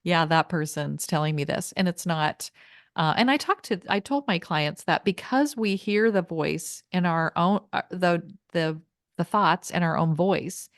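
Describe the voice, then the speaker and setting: A woman's voice: fairly low pitch, measured pace, no room sound, studio quality. A middle-aged woman hosting an interview, chatty and rambling, often laughing as she talks. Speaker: podcast host and coach. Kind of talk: casual interview chat.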